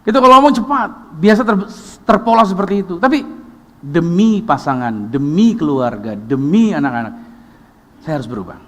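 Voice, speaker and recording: A middle-aged man from Ambon with an Ambonese Indonesian accent, preaching a lively, emphatic sermon that asks the congregation questions and answers them. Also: a little high, normal speed. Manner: lively, emphatic, rising to loud bursts. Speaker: pastor. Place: large church hall. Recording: long church reverb.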